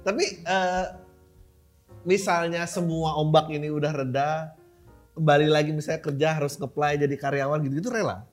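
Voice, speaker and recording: A man hosting a casual podcast interview, bantering in slang and laughing loudly. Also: a little high, steady tone, normal speed, faint music behind. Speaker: podcast host.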